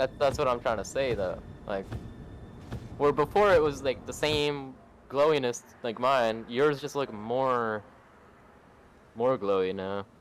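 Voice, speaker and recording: Quiet and at a fairly slow pace, a man speaks at a medium pitch with ordinary pitch variation and long, frequent pauses. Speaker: gamer. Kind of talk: casual chat.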